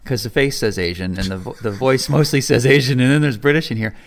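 A man co-hosting a podcast in casual chat, animated and quick to laugh. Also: mid-range voice. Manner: animated, quotes people in put-on voices, laughs easily. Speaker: podcast co-host.

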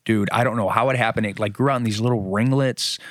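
A man's voice: on the low side, fast, dry recording, studio quality. A man in his late twenties interviewing a band in a casual, joking way, swearing freely and laughing often. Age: 20s.

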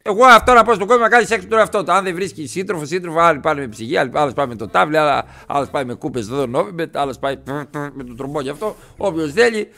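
A man playing a crude, rambling 47-year-old ex-truck driver in a comic interview, repeating himself and getting excitable. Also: on the high side, few pauses. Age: 40s.

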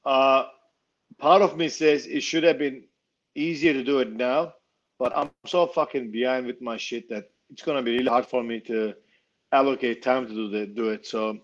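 A man chatting casually with friends in a halting, hesitant way. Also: medium pitch, steady tone, dull audio. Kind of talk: casual chat among friends.

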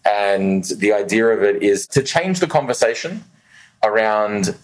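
A man's voice: lowish voice, a little slow, poor audio. Easygoing man with an Australian accent. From Australia, New Zealand and Los Angeles. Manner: easygoing, laughs often. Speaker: podcast host. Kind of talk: casual interview chat.

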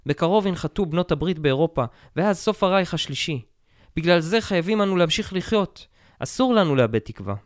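A man doing a calm, brave prisoner husband. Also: high-pitched, no room sound, studio quality, pitched above the performer's own voice. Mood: earnest. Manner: calm, soothing, earnest.

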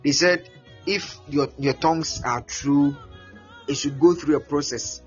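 Ghanaian male preacher, fairly high voice, halting and repetitive delivery, lo-fi recording. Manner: repeats words, animated, acts out prayers and voices. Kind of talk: teaching sermon. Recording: muffled lo-fi with faint music.

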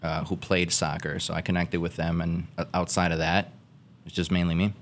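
A man from Guatemala, a podcast guest, telling his story in a laid-back way with many pauses and fillers. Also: deep voice, little pitch movement, a little hiss or hum. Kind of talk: casual conversational interview.

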